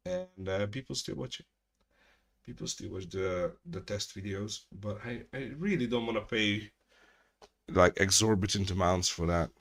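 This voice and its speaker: A man's voice: lowish voice, a bit bright. A man from Hungary, chatting casually with viewers on a livestream from home, rambling, restarting his sentences and swearing freely. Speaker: streamer hosting a chat hangout.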